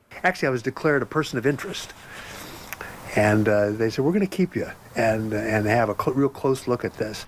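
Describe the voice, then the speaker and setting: Talking at a fairly quick pace yet pausing long and often, a man with a Midwestern American accent uses lively intonation at a medium pitch. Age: 70s. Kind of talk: TV news interview answer.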